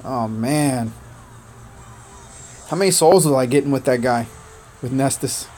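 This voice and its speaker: A man born in Korea, whose first language was Korean, chats through a livestream of a strategy game. His voice sits at an ordinary mid pitch, and he rambles easily, thanking viewers by name between "uh"s and "man"s. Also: a little slow, a little mellow, slight background noise. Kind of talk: casual gaming livestream chat.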